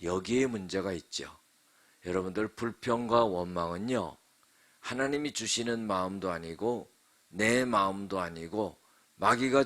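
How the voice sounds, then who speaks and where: A male pastor giving an early-morning sermon, speaking earnestly and in measured phrases straight to his congregation in a temporary church sanctuary. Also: lowish voice, fairly bright tone. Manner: earnest, measured preaching that addresses the congregation directly.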